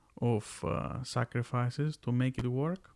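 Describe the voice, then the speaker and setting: A quiet man speaks in a medium-pitched voice with fairly even intonation. The recording is very clean, with a silent background. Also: dry, close sound with no echo. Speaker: gaming youtuber. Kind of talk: gameplay commentary. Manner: quiet, low volume; casual with many fillers.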